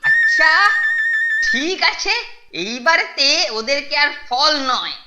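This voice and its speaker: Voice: sits high, wildly swooping pitch, slow pace, full character voice. An actor playing a scheming, bossy older schoolboy bully in an exaggerated cartoon dub. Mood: scheming, gloating. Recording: loud music behind.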